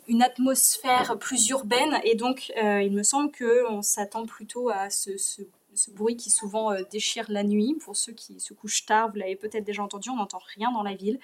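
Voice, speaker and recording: Hesitant woman presenting a conference talk. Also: on the high side. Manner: hesitant, many filler pauses; analytical, explaining step by step. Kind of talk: presenting a lecture with slides.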